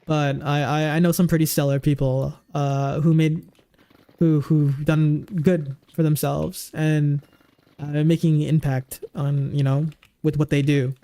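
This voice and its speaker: A young man in his twenties talks to his stream in an easygoing, rambling way, tripping over restarts and fillers. His voice sits a little high, with a warm, mellow tone and a goofy edge. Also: little pitch movement, unhurried. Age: 20s. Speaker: livestreamer. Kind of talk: casual livestream chat.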